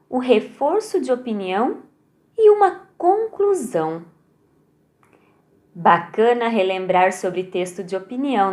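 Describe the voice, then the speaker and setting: A Brazilian woman teacher giving a recorded lesson to children, speaking slowly and stressing each word carefully. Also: mid-range voice, mellow. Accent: Brazilian Portuguese.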